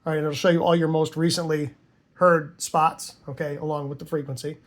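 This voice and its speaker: High-pitched man giving an informal tutorial. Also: flat delivery, brisk. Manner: conversational, checks understanding with tags like "right?" and "okay?". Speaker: amateur radio hobbyist teaching Morse code.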